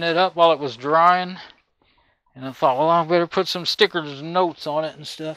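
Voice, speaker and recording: A man with a Texan accent speaks at a very fast pace. His pitch is high, and the sound is dry with no echo. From Texas. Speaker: DIY video maker. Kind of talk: appliance repair tutorial. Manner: rambling, thinking aloud. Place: home room.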